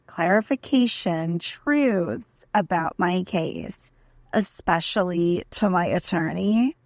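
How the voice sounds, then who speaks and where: A woman's voice: medium pitch, gravelly, a little mellow, no room sound. A woman giving a dramatic reading as an aggrieved, desperate defendant, indignant and emphatic as she pleads her case in a letter. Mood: indignant, pleading. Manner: indignant, emphatic, deliberate list-like delivery.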